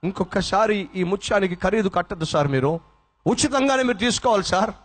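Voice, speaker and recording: A man's voice: high-pitched, a little fast. A man voicing a humble grieving male servant who keeps begging his master and repeating "sir". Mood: pleading.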